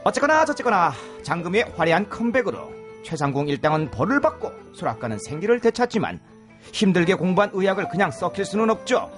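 A man's voice: sits high, very animated, fast, soft background music. A man hosting and narrating a drama plot comically, theatrical with chatty asides. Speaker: narrator and host.

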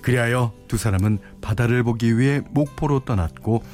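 Relaxed male radio DJ. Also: medium pitch, moderate pace, faint music behind. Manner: relaxed, chuckling and chatty with listeners. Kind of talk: radio hosting and story narration. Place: radio studio. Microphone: studio microphone.

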